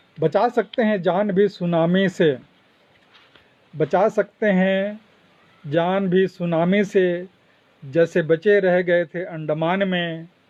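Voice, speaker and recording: A man's high-pitched voice with a Jharkhand accent, broken by long, frequent pauses. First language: Kurukh (speaking Hindi). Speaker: poet. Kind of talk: poetry reading.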